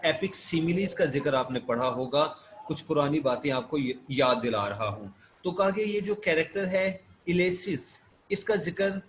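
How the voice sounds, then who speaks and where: A man giving an online literature lecture, explaining notes step by step and reading English passages out slowly. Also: a little high, slight background noise, low-quality recording. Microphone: screen-share recording.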